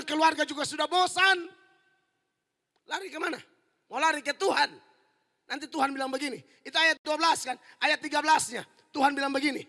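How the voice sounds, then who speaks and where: Man, pastor, fiery sermon, forceful with jokes, very high pitch, long hall reverb. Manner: forceful preaching with humor, rising to shouts. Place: large indoor church hall.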